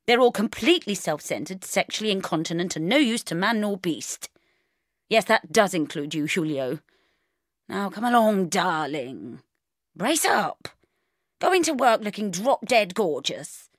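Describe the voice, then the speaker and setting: A woman with a British accent voicing a brisk, bossy middle-aged mother who talks in an emphatic, gushing way in an audiobook. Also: mid-range voice, very animated, no echo, clean studio sound.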